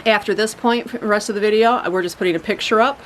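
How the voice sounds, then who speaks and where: A woman's voice: mid-range voice, fast talker, a little hiss or hum. A woman hosting a family homestead channel, talking casually and chattily with many fillers and restarts. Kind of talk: casual talk to camera.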